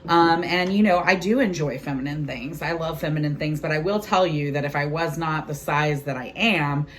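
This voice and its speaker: A woman's voice: low voice, moderate pace. A woman in her forties hosting a cooking vlog, chatting candidly and casually to the camera in a conversational way. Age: 40s.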